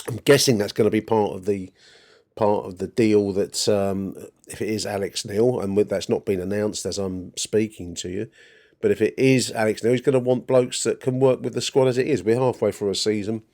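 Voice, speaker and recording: Hosting a football podcast, a man with a lowish, steady and slightly mellow voice chats through his views at normal speed. He rambles and repeats words while thinking it over, giving conversational commentary.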